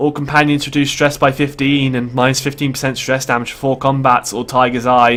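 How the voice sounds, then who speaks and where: Music plays in the background as a man with an English accent talks at a fairly quick pace. His medium-pitched voice has a monotone, flat intonation. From England. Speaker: gaming livestreamer. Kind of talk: gameplay commentary. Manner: fast; occasional stutter when rushing.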